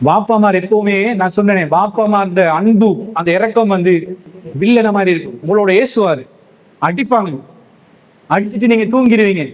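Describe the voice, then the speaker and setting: A man's voice: high voice, moderate pace, highs cut off. A man who preaches a sermon to young men, telling stories and answering his own questions. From Sri Lanka. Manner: storytelling, asks questions and answers them himself.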